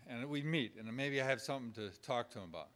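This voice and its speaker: A man giving a relaxed teaching talk on caregiving, halting with fillers and restarts as he works through numbered points. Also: medium pitch. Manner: unhurried, halting with many fillers, acts out sample dialogue. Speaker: church caregiving trainer.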